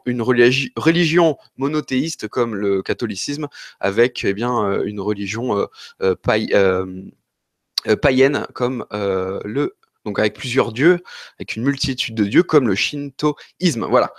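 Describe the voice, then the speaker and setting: Somewhat slow and mid-pitched, this Frenchman fields viewer questions on a live stream, recorded dry with studio quality. Slightly under the weather, he coughs occasionally and meanders through answers, hesitating and apologizing.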